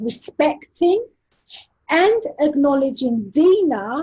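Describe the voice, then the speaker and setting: A woman speaks with a London accent at a high pitch. Her tone is dark and mellow. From London, England. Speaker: burnout coach. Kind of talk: interview. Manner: stutters and slurs when tired.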